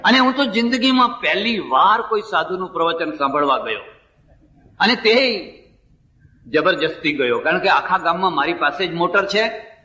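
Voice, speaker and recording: High, bright-voiced Gujarati swami preaching. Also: male voice, a little hiss or hum. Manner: storytelling, acting out dialogue of others. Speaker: swami giving a discourse. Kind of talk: sermon with told stories. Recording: distant, roomy, dull sound from a hall.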